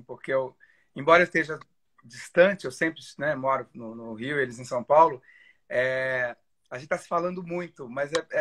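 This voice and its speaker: Chatty, slightly high-voiced man guest. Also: fairly bright tone. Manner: chatty, self-mocking, hesitant restarts when emotional. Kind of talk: casual live-stream chat. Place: home in isolation. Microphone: phone or computer on a video call.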